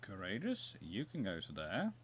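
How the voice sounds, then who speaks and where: Low-pitched yet wildly swooping in pitch, this Surrey-accented Englishman talks at normal speed while hosting a live naval strategy game stream. He's chatty and jokey, thinking aloud with restarts, and there is slight background noise.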